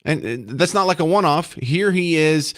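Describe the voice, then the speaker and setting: A man's voice: on the high side, lively intonation, moderate pace, fairly bright tone. Indignant radio host man. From East Texas. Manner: indignant, emphatic, repeats points. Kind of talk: opinionated talk radio.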